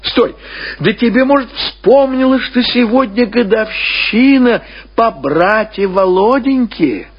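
Man acting high, unctuous drawling landowner father. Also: lively intonation, takes it slowly, breathy edge, heavily acted. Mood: needling. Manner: drawling, sing-song wheedling exclamations. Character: Iudushka, unctuous, querulous, sanctimonious middle-aged landowner father. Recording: dull old radio recording.

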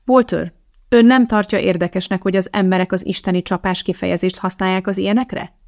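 A woman's voice: medium pitch, fairly even intonation, vocal fry, darkish tone, close to an everyday voice. A woman reading the part of a precise, blunt woman chemist, lecturing in a matter-of-fact way. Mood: earnest.

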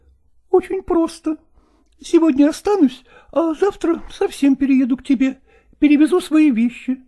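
A man's voice: extremely high pitch, normal speed, warm tone, voice pushed up. A man doing a pleading, lovesick young actress. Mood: eager. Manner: pleading, tearful, coaxing. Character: young actress, pleading, clingy, passionately in love.

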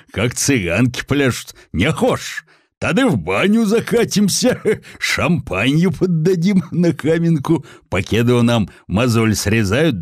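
A man's voice: mid-range voice, no room sound, clean studio sound, voice pushed up. A man voicing a boisterous old-style Moscow merchant who talks in coarse folksy speech. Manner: rustic folksy speech, cajoling.

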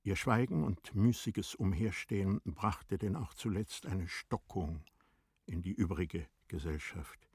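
A man narrating a literary radio play from a script, in measured, formal storytelling. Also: sits low, darkish tone, slightly rough, no room sound, studio quality.

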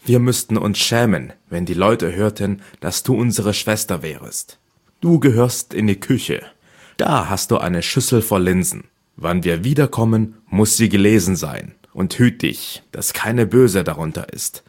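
A man voicing proud, mocking stepsisters in a fairy-tale reading, with a deep, slightly husky voice raised a little in pitch. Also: lively intonation, measured pace, a little mellow. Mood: scornful. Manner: scornful, taunting.

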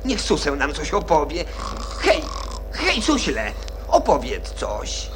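An actor playing a crack-brained, impatient, bossy hare in a children's radio play. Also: male voice, fairly high pitch, huge pitch swings, slow pace, full character voice. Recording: loud music behind.

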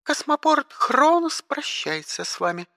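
A man's voice: very high voice, big pitch swings, measured pace, creaky, bright, forceful tone, no echo, studio quality, voice pushed up, heavily acted. A man voicing a prim, formal female spaceport dispatcher who speaks with icy courtesy. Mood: icily polite.

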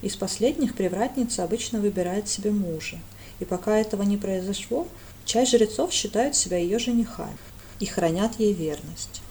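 A woman's voice: mid-range voice, moderate pace, mellow, a little hiss or hum, close to an everyday voice. A woman voicing a cold, curt male priest with a clipped, dry manner.

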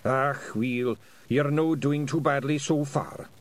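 A man voicing a gruff ninety-six-year-old Scottish piper with a thick Scottish accent, scolding bluntly in an audiobook. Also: a little high, animated, moderate pace, pitched above the performer's own voice, natural voice. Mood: kindly. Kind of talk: audiobook character voice.

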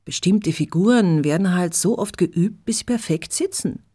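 A woman's voice: lowish voice, normal speed, mellow, slightly rough. A woman reading a cheerful young local woman. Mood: friendly.

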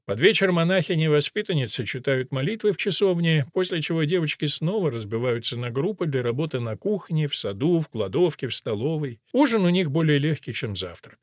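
A man's voice: a little high, animated, a little fast, hardly any pauses, no room sound. Male audiobook narrator, dry close sound. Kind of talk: scripted narration.

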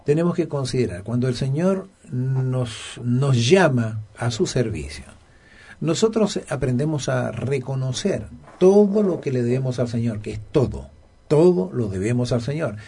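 A man's voice: medium pitch, expressive, normal speed, dark tone, husky. A man co-hosting a Bible study program, speaking earnestly and emphatically, with fillers and repeated words. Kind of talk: conversational Bible study dialogue.

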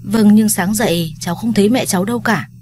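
A woman's voice: medium pitch, fast talker, a little mellow, a little hiss or hum, lightly acted. A woman voicing a remorseful young adult daughter who speaks politely and apologetically to her mother.

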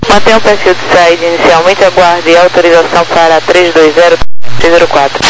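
A man's voice: a little high, little pitch movement, fairly quick. A Brazilian man working as an air traffic controller, giving clipped procedural instructions over the radio. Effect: radio transmission. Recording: noisy aviation radio channel.

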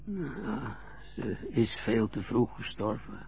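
An actor playing a frail old widower in a radio play, hesitant and stammering, sometimes fearful and sometimes teasing. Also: male voice, mid-range voice, big pitch swings, slow, creaky, darkish tone, highs cut off, full character voice. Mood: sorrowful. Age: older.

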